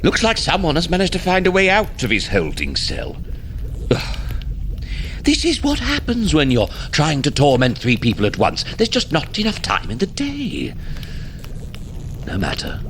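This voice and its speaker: An actor playing a sneering, pompous villainous sorcerer lord in an audio drama, melodramatic and contemptuous, with noisy ambience behind him. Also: male voice, fairly high pitch, huge pitch swings, moderate pace, a bit bright, exaggerated voice. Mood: exasperated sneering.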